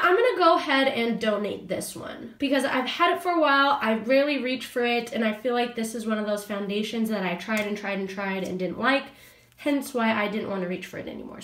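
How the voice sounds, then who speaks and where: High-voiced sniffly woman vlogger, echoey room. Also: a bit bright. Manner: friendly, upbeat, talks straight to viewers. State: sniffly, a bit congested from a cold. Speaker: beauty vlogger. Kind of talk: casual chatty product review.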